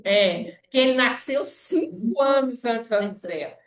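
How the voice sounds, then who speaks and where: Brazilian woman, Bible study teacher; lively, slightly high, recorded distant in a roomy space. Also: a little slow. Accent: Brazilian Portuguese. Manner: explains with frequent checks like "tá?" and "né?". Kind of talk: informal Bible study lesson. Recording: echoey room, voice off-mic.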